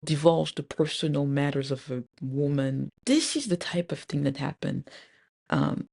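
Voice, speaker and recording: A woman's voice: low-pitched, a little slow, gravelly, darkish tone. A woman from Cameroon telling a personal story in a candid, exasperated way, with frequent fillers and restarts. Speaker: podcast host. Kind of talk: storytime vlog.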